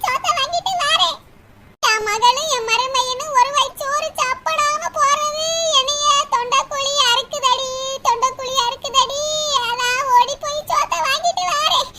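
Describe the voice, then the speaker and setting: A woman's voice: very high-pitched, normal speed, bright, forceful tone. A woman voicing an elderly, doting village mother in a cartoon, coaxing and chuckling, with a Kanyakumari Tamil accent. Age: older. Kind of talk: cartoon voice acting.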